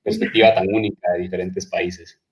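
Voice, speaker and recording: Male host with a lowish voice, thoughtful interviewer who builds long questions. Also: level tone, normal speed. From Guatemala. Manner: reflective, asks long probing questions. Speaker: podcast host. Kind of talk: conversational interview.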